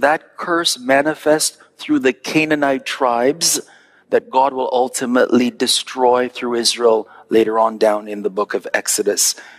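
An unremarkable speaking voice with ordinary pitch variation. The sound is dry and close, with no echo. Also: man. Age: 50s. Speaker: pastor. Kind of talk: sermon.

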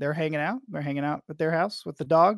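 Against a quiet background, a man is speaking. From Arkansas. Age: 20s. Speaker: content creator. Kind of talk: interview. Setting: video call.

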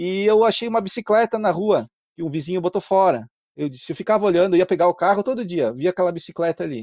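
A man's high voice, very fast and lively in intonation. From Serra Gaúcha, Rio Grande do Sul, Brazil. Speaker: chef. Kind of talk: casual chat.

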